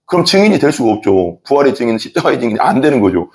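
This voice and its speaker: Gravelly-voiced male pastor preaching. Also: medium pitch, very animated, rapid-fire. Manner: earnest, conversational storytelling, emphatic repetition. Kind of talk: sermon. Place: church.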